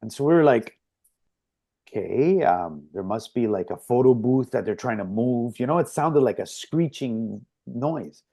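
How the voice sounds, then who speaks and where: A man co-hosting a casual podcast over a video call, telling animated, profane stories about a party he worked. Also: mid-range voice, moderate pace, hardly any pauses. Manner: animated storyteller, swears freely. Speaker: podcast co-host.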